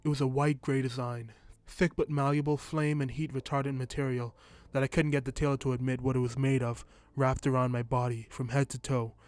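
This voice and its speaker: A man narrates a first-person short story, reading at a steady, even pace. His voice sits in a middle pitch. The sound is dry and close to the mic. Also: fairly quick, few pauses, no room sound.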